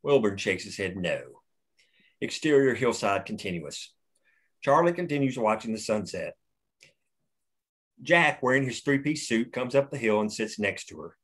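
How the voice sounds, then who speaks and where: A man's voice: medium pitch, lively intonation, normal speed, pauses often, a bit bright, husky. A man reading stage directions at a script table read, plain and matter-of-fact.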